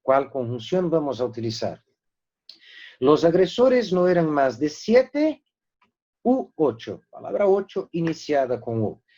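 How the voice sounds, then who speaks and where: Lively male Spanish teacher. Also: on the high side. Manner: lively, emphatic, slows down to spell out example words. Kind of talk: recorded classroom lesson. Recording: dull lo-fi recording.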